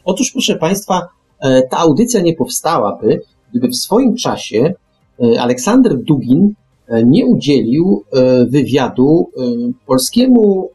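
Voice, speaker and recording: A male radio host argues his points in discussion. His voice is mellow and husky, set a little high for a man. He speaks emphatically, often restarting and repeating phrases as he goes. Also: sing-song, a little slow, soft background music.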